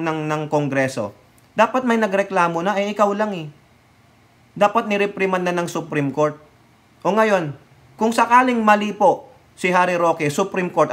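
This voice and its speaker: A man with a high voice delivers fired-up political commentary, jabbing at his subject with sarcasm and rhetorical questions. He's from the Philippines and turns often to address his viewers. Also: fairly bright tone.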